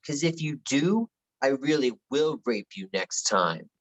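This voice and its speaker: A mid-pitched voice from a man acting as a teenage bully boy in a screenplay read. He is blunt, curt and menacing. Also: animated, unhurried, close to an everyday voice. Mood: sullen, threatening. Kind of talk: virtual table read of a screenplay.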